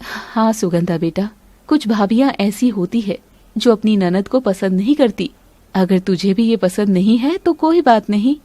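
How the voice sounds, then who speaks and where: A woman voicing a scheming, bossy middle-aged mother-in-law in an animated story, talking in a sharp, scolding, sly way. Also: medium pitch, normal speed, no echo, close to an everyday voice.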